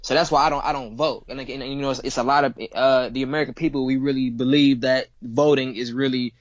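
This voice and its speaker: A fast-talking Cleveland, Ohio rapper in his twenties chats as a casual interview guest, laid-back and full of slang, repeating himself often. His voice is medium-pitched and steady, recorded without echo and with the highs cut off.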